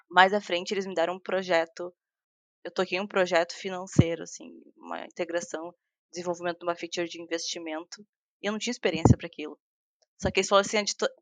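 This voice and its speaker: A woman, a software engineer talking casually as a guest in an interview, with many restarts and fillers. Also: on the low side, dry recording. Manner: chatty, frequent restarts and fillers, laughs while talking.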